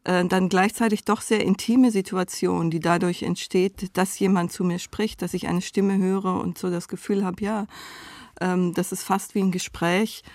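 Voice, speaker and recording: A woman's voice: on the low side, a little mellow, dry recording, studio quality. A woman answering as an interview guest in a reflective, informal, conversational way.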